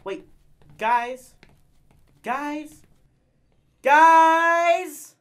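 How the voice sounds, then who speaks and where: A woman playing a goofy, childish, easily panicked bomb-team member in a comedy short film, excitable and dramatic. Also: mid-range voice, moderate pace, close to an everyday voice.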